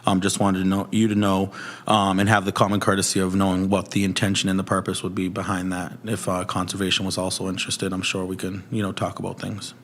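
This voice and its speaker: Male petitioner, hoarse, lowish and monotone, giving a courteous semi-formal presentation at a public meeting. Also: fast talker. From Mashpee, Massachusetts, United States. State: hoarse, voice partly lost. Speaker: petitioner addressing a commission. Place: town hall meeting room.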